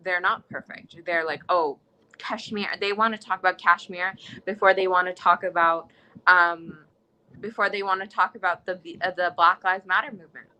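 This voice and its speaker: A woman's voice: fairly low pitch, fairly even intonation, normal speed, bright, forceful tone, poor audio. A young woman from the United States speaking in an interview, earnest and impassioned, often restarting her sentences. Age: young adult. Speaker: interviewee, student. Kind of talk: conversational interview.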